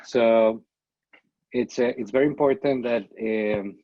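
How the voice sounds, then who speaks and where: Halting middle-aged man on a dull video call. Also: mid-range voice, warm tone, no room sound. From Costa Rica. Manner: halting, repeats words while thinking. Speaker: panelist, startup founder. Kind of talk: casual panel talk.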